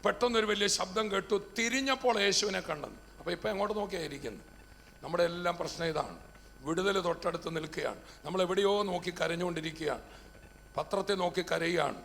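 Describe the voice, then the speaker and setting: A man's voice: sits high, fast talker, creaky, fairly bright tone. A man preaching a fervent sermon to a congregation, his voice swelling and falling. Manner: fervent, rising and dropping in volume. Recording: hall reverb with faint background noise.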